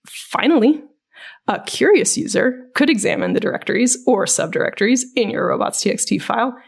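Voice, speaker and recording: A woman's voice: on the high side, animated, a little fast, creaky, slightly rough. A woman giving a scripted, dramatic reading of technical documentation. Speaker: podcast co-host reading aloud.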